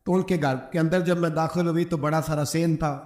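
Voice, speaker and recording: A man with a Pakistani Urdu accent preaching an emotional sermon, telling a story and acting out its voices with sudden high, sharp outbursts. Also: steady tone. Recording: echoey hall.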